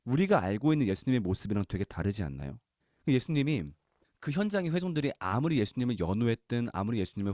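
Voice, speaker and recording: A man's voice: mid-range voice, mellow, dry recording, studio quality. A man teaching a Bible lesson in a conversational way, asking the listeners questions and acting out quotes. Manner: conversational, acts out quotes, asks the audience questions. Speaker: Bible study lecturer.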